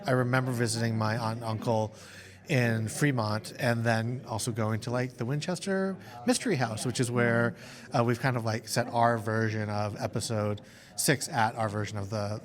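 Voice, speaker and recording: A man who creates an animated series, giving conversational interview answers. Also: medium pitch. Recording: busy convention crowd behind the voice.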